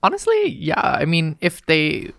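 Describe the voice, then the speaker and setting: A woman's voice: sits low, wildly swooping pitch, a little slow, creaky, a bit bright, no room sound, studio quality. A young woman co-hosting a podcast, chatting casually and laughing often, with lots of fillers. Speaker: podcast co-host. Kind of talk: casual chat.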